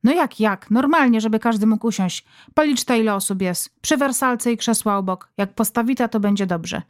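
A woman's voice: a little high, moderate pace, no echo, studio quality, lightly acted. A woman voicing a domineering, foul-mouthed middle-aged country mother who scolds her family in rural dialect. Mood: impatient.

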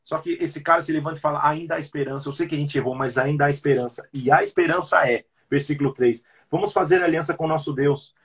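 A Brazilian pastor with a husky, slightly raised voice and a Brazilian Portuguese accent. He preaches in a relaxed, slangy way, retelling scripture as everyday talk during a livestreamed Bible commentary. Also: fairly high pitch, fast, hardly any pauses.

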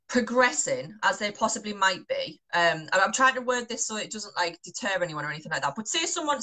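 Young woman interviewer, bright sharp voice, keeps rewording her questions, casual chat. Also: medium pitch, rough recording. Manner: rambling, self-correcting questions.

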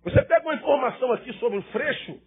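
A man's voice: extremely high pitch, lively intonation, fast, breathy edge, narrow, tinny audio. A male pastor preaching a sermon with emphatic rhetorical questions and repetition.

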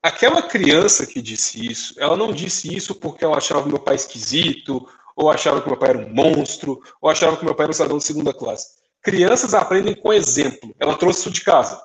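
A young adult Brazilian man, fairly high-pitched and a little fast, co-hosts a casual podcast chat on a low-quality recording. He tells stories animatedly, acting out the people in them with quoted voices.

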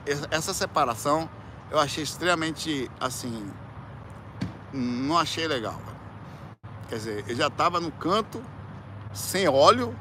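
A man with a Brazilian Portuguese accent, a musician casually telling a personal story, animated and colloquial, acting out quoted voices with loud outbursts. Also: fairly high pitch, a little hiss or hum.

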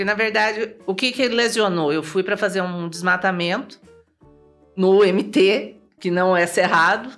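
A Brazilian woman as an interview guest, telling a personal story in a lively way, acting out remembered dialogue and often tagging her sentences with "né?". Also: medium pitch. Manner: lively, acts out remembered dialogue, tags lines with "né?".

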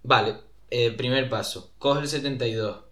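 A man's voice: mid-range voice, normal speed, bright, forceful tone, reverberant. A young man with a Canarian accent, co-hosting a podcast and telling a long anecdote in casual, rambling chat full of fillers. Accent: Canarian Spanish. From Canary Islands. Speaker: podcast co-host.

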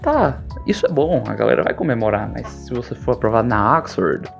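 A man's voice: mid-range voice, expressive, a little fast, creaky, lo-fi sound, soft background music. A young man from Brazil, hosting a podcast over a video call, rambling jokily and often trailing off and restarting. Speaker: podcast host. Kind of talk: casual rambling monologue. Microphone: video call mic.

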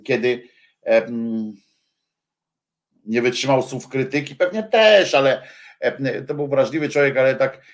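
A man hosting a radio show, talking in a halting, reflective way with many filler sounds between songs. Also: medium pitch. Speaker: radio host.

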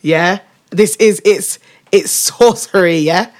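A man's voice: high voice, slow. A man with a London accent chatting casually in roadman street slang. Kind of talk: casual chat.

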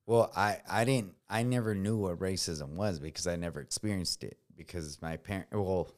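A man with a slight Latino accent, whose first language is Spanish, talks in a very deep, low register. He tells his stories in a relaxed, slangy way, full of fillers, as a guest in a casual interview. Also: normal speed. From United States. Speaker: guest, combat veteran.

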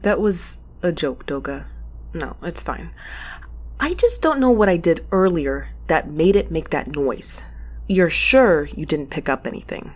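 Space courier lead, played by a woman: lowish, slightly rough voice, wry, frazzled, conversational audio-drama storytelling. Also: expressive, measured pace. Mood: uneasy, wry. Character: frazzled, wry, stubborn young space courier, narrating their own story. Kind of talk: audio drama acting and first-person narration.

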